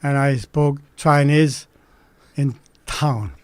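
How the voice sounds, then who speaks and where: Slow, halting older man with a Korean accent. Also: medium pitch, a little mellow, slight background noise. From Manchuria. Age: 80s. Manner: halting, with many pauses and fillers. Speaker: guest. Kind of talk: recalling memories in an interview.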